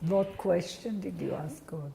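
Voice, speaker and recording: Low, gravelly-voiced woman asking quiet, brief questions, faint hiss. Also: unhurried, low-quality recording. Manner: soft-spoken, brief probing questions. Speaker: interviewer. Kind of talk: oral history interview questions.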